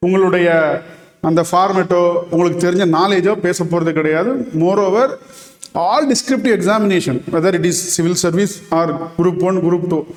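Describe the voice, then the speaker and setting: A man with a Tamil accent, teaching an exam-prep lesson in Tamil mixed with English, who reads model answers out slowly. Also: high-pitched, fairly even intonation, roomy sound, in a large hall.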